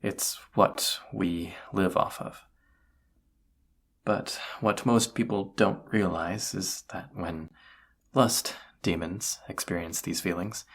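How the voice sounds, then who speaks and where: A man playing a tired, flustered incubus roommate in an intimate audio roleplay, speaking in a halting, awkward way with a husky, gravelly voice. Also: sits low, heavily acted. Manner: hesitant, halting, soft-spoken, awkward. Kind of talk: roleplay audio drama, intimate one-sided dialogue.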